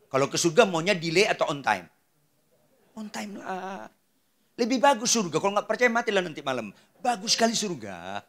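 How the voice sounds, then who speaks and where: A man's voice: a little high, a bit bright. A male pastor preaching a sermon in a joking, teasing way, firing questions at the congregation. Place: church.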